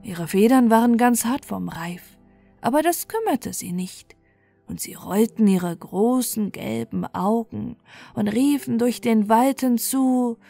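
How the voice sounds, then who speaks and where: Husky-voiced woman reading a bedtime fairy tale. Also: a little high, animated, slow, dark tone, no room sound. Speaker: storyteller. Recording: music bed behind the voice.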